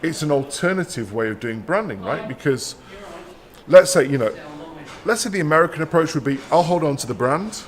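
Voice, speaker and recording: A man's voice: on the high side, animated, a little fast. A man speaking as a guest in a casual conversation, reasoning aloud in a chatty way with many "like"s and "right?"s. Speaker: guest, professor.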